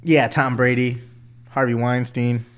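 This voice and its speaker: A man co-hosting a podcast, talking in crude casual banter, loud, teasing and laughing often. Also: mid-range voice, level tone, a little slow, clear, resonant tone. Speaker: podcast co-host.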